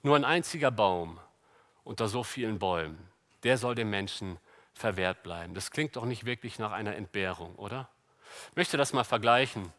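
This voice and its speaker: Man preaching a lively sermon. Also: on the low side, moderate pace. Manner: lively, asks the audience rhetorical questions.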